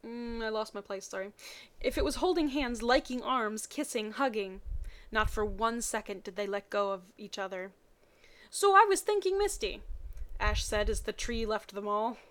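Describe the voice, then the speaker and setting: A woman's voice: mid-range voice, steady tone, normal speed. A woman reading a story aloud dramatically, breaking off for playful, mocking asides. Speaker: reader of fan fiction.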